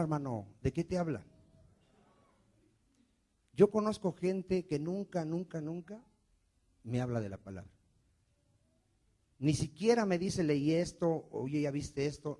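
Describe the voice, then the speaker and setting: Male pastor, sermon, mellow tone, question-and-answer preaching. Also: fairly high pitch, lively intonation, normal speed, long pauses. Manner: asks the congregation questions and fills in the answers.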